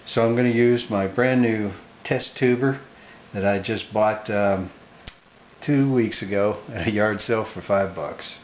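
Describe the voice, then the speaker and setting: A man talking casually about his hobby, unhurried and hesitant, with lots of fillers, in a home workshop. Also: on the low side, darkish tone, slight background noise. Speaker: hobbyist radio collector. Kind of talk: casual talk to camera.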